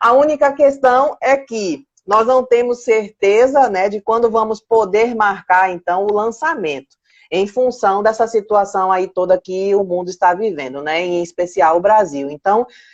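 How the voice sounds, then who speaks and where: Speaking at a fairly slow pace, the woman has a medium pitch and lively intonation. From Pernambuco, northeast Brazil. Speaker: psychologist and speaker hosting a live. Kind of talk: live stream chat with audience. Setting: Instagram live video.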